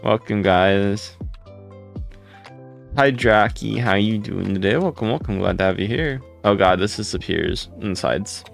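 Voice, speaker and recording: A man with a deep voice chatting casually on a livestream, rambling and greeting viewers by name. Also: a little slow, vocal fry, soft background music.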